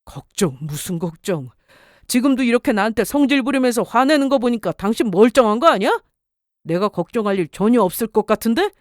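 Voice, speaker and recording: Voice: mid-range voice, very animated, brisk, no echo, clean studio sound, lightly acted. A voice actor playing a cold young husband who blames his wife in a radio drama. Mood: scornful. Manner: cold, accusing.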